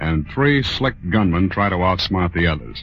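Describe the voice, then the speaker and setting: A man's very deep, low voice at a moderate pace, with very wide pitch swings and music in the background. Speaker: radio drama host. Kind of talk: 1940s radio drama host intro, theatrical spooky showman patter. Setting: armed forces radio broadcast. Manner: theatrical, macabre, playful, melodramatic; announcer-style, crisp, teasing.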